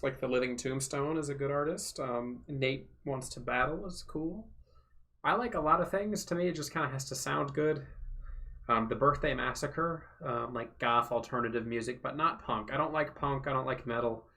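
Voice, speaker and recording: A man on a casual home livestream, answering viewers' questions in a loose, rambling way full of ums and likes. His tone is bright and forward, sitting in a middle pitch for a man. After hours of talk his voice is wearing hoarse. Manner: rambling, filler-heavy, thinks aloud. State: voice going hoarse from long talking. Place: home room.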